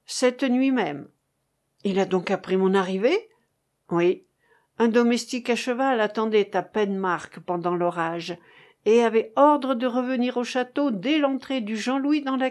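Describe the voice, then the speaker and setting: A woman's voice: mid-range voice, a little mellow, close to an everyday voice. A woman reading the part of a dutiful castle servant in an audiobook, answering in short, matter-of-fact lines.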